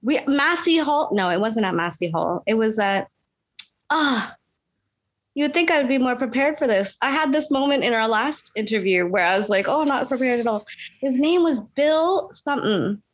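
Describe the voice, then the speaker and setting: Woman from Canada, guest actress, chatty storytelling, filler-heavy, animated quoting. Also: on the high side, moderate pace. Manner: animated, frequent "like" fillers, quotes people in voices. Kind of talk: casual interview storytelling.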